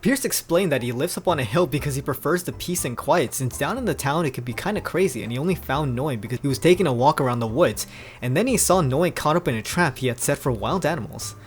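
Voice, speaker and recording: A young man hosting a fan fiction reading, moving between narration and chatty, animated reactions. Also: fairly high pitch, quick pace. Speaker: video host reading fan fiction aloud. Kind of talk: casual storybook reading with chatty commentary.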